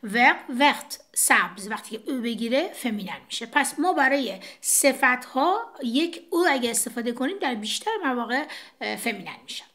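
Brief: woman French teacher, slightly high voice, walks through examples on a board. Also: expressive, a bit bright. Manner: explains step by step, pointing to a board. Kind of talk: casual classroom explanation.

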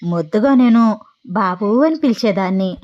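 A woman's voice: high voice, normal speed, close to an everyday voice. A woman voicing a mischievous young woman who fakes tearful heartbreak on a prank call. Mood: melodramatic. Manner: melodramatic, teasing, tearful. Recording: dull lo-fi audio.

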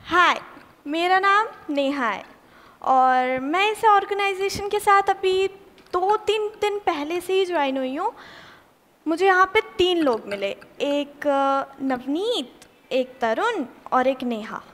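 A woman's voice: very high voice, animated, takes it slowly, fairly bright tone, in a large hall, full character voice. A young performer playing a puzzled young woman, in a stage monologue.

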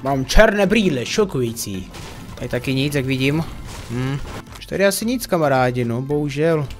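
A man's voice: mid-range voice, lively intonation, soft background music. A man giving casual, joking commentary on his own gameplay and talking to viewers as friends. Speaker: gaming YouTuber.

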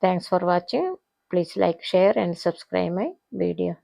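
A woman teaching a spoken Hindi lesson, repeating each phrase slowly and then explaining it. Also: lowish voice, fairly even intonation, gravelly, mellow, dry recording.

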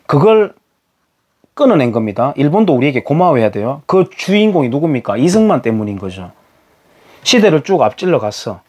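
A man's voice: medium pitch, darkish tone. A man gives solo spoken commentary in an emphatic, lecturing way, full of rhetorical questions.

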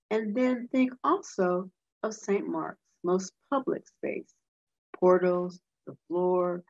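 Slow, low-voiced older woman reading aloud. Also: darkish tone. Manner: measured, deliberate. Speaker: poet. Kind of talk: reading a written ritual aloud. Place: indoors at home, a room with framed pictures. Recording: dull, muffled video-call audio.

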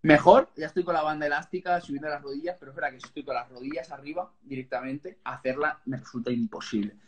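A young man in his twenties from Spain hosting a live video call chat, excitable and repeating himself as he talks. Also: fairly high pitch. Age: 20s. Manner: quick, excitable, repeats words. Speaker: channel host. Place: small room indoors. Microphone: webcam on a video call.

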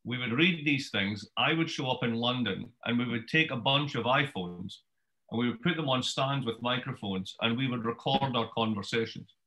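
A Scottish man in his fifties speaks with a bright, forceful tone. He tells his story in a brisk, wry way, like a lecturer talking from his home study. The sound comes through a webcam on a video call. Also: mid-range voice, rough recording. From Scotland. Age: 50s. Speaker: author giving a book talk. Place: home study with bookshelves, indoors.

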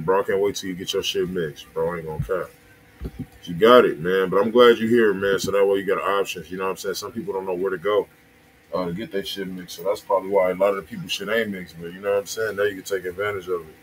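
American dude chatting on a music stream, slangy and rambly, kinda low voice, faint room noise. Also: male voice, steady tone, fast talker, rough recording. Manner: slangy, rambling, repeats himself. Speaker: music review co-host. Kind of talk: casual livestream chat and feedback.

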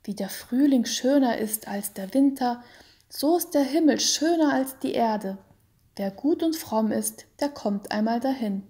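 A woman voicing a sick young mother in a storybook reading, speaking softly and weakly, often half-whispered. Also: on the high side, expressive, measured pace. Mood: consoling. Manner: soft, weak, half-whispered.

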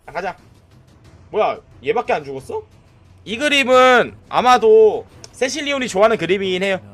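A man's voice: sits high, moderate pace, soft background music. A man streaming a mobile game, commenting live, cheering and trash-talking the enemies. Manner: excitable, shouting at enemies and cheering; trash-talking with frequent "nice" and "that's it".

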